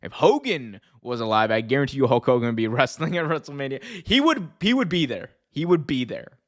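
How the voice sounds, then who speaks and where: North american guy doing a casual stream chat, slangy and sweary, laughs a lot, mid pitched voice. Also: sing-song, fairly quick. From United States. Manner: slangy, profane, laughs often. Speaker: wrestling show host and livestreamer. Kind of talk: casual livestream chat reacting to viewer comments.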